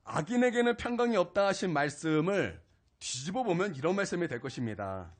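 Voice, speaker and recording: Lively high-voiced pastor. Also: male voice, a little fast. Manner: animated storytelling, acts out his own angry outburst. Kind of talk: sermon with personal story. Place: small church service.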